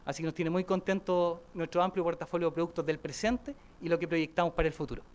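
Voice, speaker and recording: A man giving a conference presentation at a podium, listing vehicles in a brisk way. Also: on the high side, fairly even intonation. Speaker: conference speaker, vehicle company.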